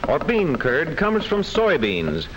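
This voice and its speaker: An American man narrates a vintage classroom film with formal precision. His voice sits fairly high and swings widely in pitch, on an old soundtrack with faint background noise. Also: wildly swooping pitch, slow, rough recording. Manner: formal, precise, storytelling delivery.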